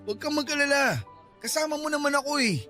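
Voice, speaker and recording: A man's voice: extremely high pitch, fast, bright, forceful tone, faint music behind. A young man acting an irritable, defensive student boyfriend in a radio drama, exasperated, insistent and pleading. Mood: insistent, persuading.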